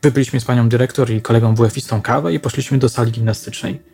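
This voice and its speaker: A man voicing a mild, evasive male teacher around forty who talks quietly and tersely. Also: medium pitch, fairly even intonation, quick pace, vocal fry, lightly acted. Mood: explaining.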